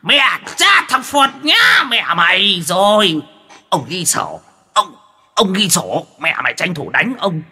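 A man voicing an old male spirit medium who curses in loud shouts. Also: sits high, sing-song, takes it slowly, slightly rough, long reverb tail, soft background music, voice pushed up, heavily acted. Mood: furious. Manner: shouted cursing.

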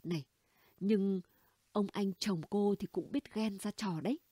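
Gossipy middle-aged neighbor lady, read by a woman, blunt and chatty, soft breathy voice. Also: medium pitch, a little slow, no echo, clean studio sound. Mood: gossiping. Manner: chatty, blunt, conspiratorial storytelling. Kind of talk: audiobook character dialogue.

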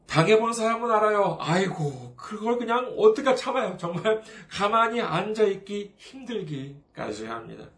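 A man's voice: sits high, very animated, normal speed, few pauses, a bit bright, echoey room. A man preaching a sermon as a pastor, in a conversational, humorous way, often asking the listeners questions.

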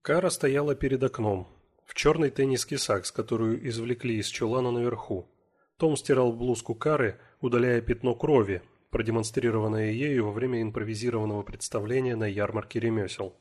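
Brief: male audiobook narrator, husky, mid-pitched, measured. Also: fairly even intonation, a little mellow. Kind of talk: scripted narration.

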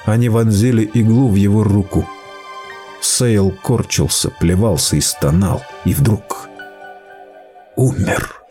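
A man reading a story aloud in steady, measured scripted narration. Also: fairly low pitch. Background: faint music.

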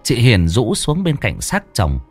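A man's voice: mid-range voice, huge pitch swings, a little slow, breathy edge. A man narrating a ghost story in a dramatic storytelling manner. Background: faint background music.

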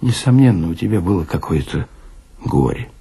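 Puzzled, probing male friend acted by a man, radio drama dialogue; gravelly, low, incredulous. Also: expressive, moderate pace, warm tone, full character voice. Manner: questioning, incredulous. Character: puzzled, probing old friend of a café drinker. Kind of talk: literary radio play dialogue.

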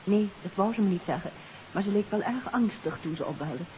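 A woman plays a friendly, brisk lady in a vintage radio play. Speech moves quickly at a middling pitch. The sound is muffled with some hiss. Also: animated, lightly acted. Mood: friendly, concerned. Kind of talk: 1950s Dutch radio play acting.

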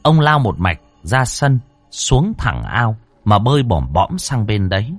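Male storyteller, dramatic delivery, lively intonation, dry close sound. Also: fairly low pitch, a little slow, no room sound, soft background music. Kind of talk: audiobook narration.

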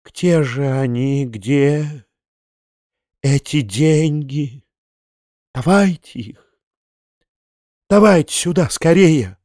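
A man's voice: big pitch swings, slow pace, dry recording, clean studio sound, exaggerated voice. Man doing Foma, a shrieking pompous hypocrite. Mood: feigned weakness. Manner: shrill squealing outbursts; affectedly weak, self-righteous. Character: pompous hypocritical middle-aged male sponger.

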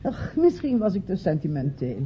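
An actress playing an anxious, sentimental widow in a Dutch radio drama, speaking emotionally and halting when flustered. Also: female voice, fairly low pitch, big pitch swings, warm tone, slight background noise. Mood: sentimental, hopeful. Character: anxious, sentimental playwright's widow haggling over royalties. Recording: muffled radio play recording, crowd murmur.

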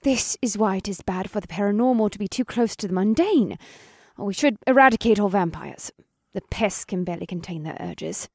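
A man's voice: high-pitched, normal speed, gravelly, no echo, clean studio sound, pitched above the performer's own voice. A man voicing a haughty, disdainful magical woman with a cold manner.

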